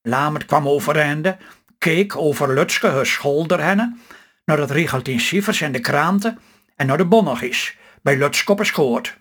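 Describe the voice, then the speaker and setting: A man reading aloud his own humorous story in Stellingwerf dialect, with a steady homely storytelling manner. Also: on the high side, unhurried, slightly rough. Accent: Stellingwerf Low Saxon dialect.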